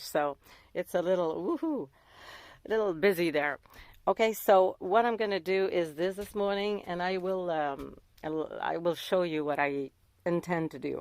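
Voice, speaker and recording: A Montreal woman, a native French speaker with a Québécois accent, chats casually in a vlog documenting her van build. Her voice sits on the low side with no echo, and she often searches for words and rephrases.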